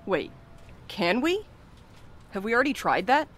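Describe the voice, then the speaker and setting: Woman playing playful courier, very animated voice. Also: fairly high pitch, unhurried. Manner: wry, teasing, casual. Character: playful, teasing, irreverent young courier. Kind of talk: naturalistic audio drama acting.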